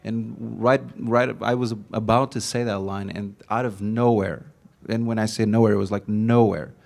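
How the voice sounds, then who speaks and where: A man speaks in a fairly low voice at a panel Q&A. He tells stories earnestly, stumbling and restarting his sentences as he searches for words. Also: fairly even intonation, vocal fry, darkish tone. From Portugal. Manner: earnest, halting with many restarts. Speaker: actor. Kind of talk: casual recollection at a panel.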